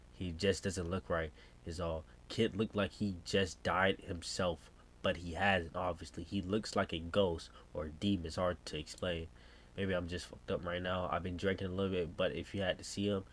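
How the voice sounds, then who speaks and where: A man playing spooked young male gas station worker, American accent, low voice, hesitant, rambling, horror game caller. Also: fairly bright tone, a little hiss or hum. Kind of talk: reading game subtitles as dialogue.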